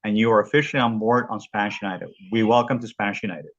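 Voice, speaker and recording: A man from Southern California hosting a casual podcast interview, talking in halting bursts and often repeating his words. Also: on the low side, steady tone, a bit bright, dull audio. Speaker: podcast host.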